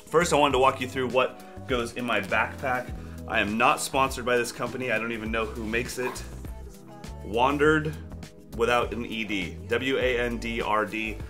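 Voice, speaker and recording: A man's voice: medium pitch, moderate pace, bright, forceful tone, faint music behind. A man in his forties, a drum educator, talking casually and upbeat to his camera in a vlog. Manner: chatty, upbeat, self-deprecating. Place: drum studio room, later a car.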